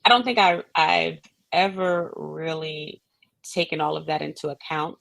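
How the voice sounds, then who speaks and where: A woman's voice: deep voice, fairly even intonation, a little slow, creaky, fairly bright tone, no room sound, rough recording. A middle-aged American woman answering interview questions as a guest in a reflective, explanatory way, often checking that she is understood. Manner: reflective, explanatory, often checks with "you know what I mean". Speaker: guest, playwright and stage director.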